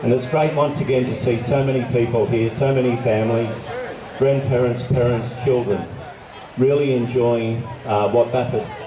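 With noticeable background noise, a man talks at a moderate pace in a fairly even intonation. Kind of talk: public speech. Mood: warm, thankful. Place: stage.

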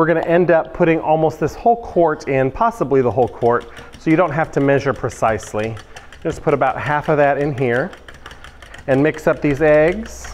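A man with an American accent speaks in a fairly high pitch at a moderate pace with ordinary pitch variation, over light background noise. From US Midwest. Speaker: cooking video host. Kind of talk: cooking tutorial. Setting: studio kitchen. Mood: relaxed, friendly. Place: kitchen. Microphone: lapel.

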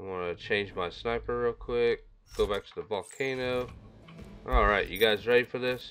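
Over background music, a man talks at a moderate pace with big swings in loudness. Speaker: gaming youtuber. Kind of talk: let's play commentary. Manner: casual, hesitant with fillers.

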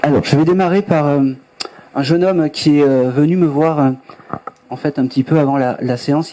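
A fairly high-pitched male voice at a fairly slow pace with fairly even intonation. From Nice, southern France. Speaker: medium. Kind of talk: live mediumship session before an audience. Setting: stage with audience. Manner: halting. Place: hall. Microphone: handheld.

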